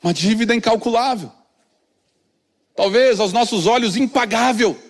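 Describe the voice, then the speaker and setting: A man preaching with a high, bright voice that carries through a church with a long, lingering echo. His delivery is earnest, and he sometimes sinks into quiet low tones to drive a point home. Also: moderate pace. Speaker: pastor. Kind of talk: sermon. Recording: long hall reverb from a church.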